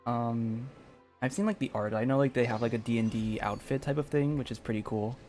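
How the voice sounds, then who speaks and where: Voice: medium pitch, steady tone, brisk, a little mellow. A game streamer giving casual, chatty live commentary with informal, sweary phrasing. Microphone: streaming microphone. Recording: game music behind the voice.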